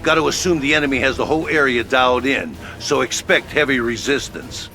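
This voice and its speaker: A man's voice: mid-range voice, fairly quick, lightly acted. An actor playing a wisecracking male headquarters officer who gives orders in a laid-back, casual way over music. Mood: wry. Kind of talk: game cutscene voice acting. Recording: game audio with loud music behind.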